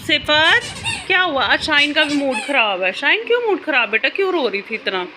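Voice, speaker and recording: A woman's voice: sits high, sing-song, brisk. A mother, vlogging casually at home at night and coaxing and soothing her children. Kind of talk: casual home vlog talk. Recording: noisy home phone recording.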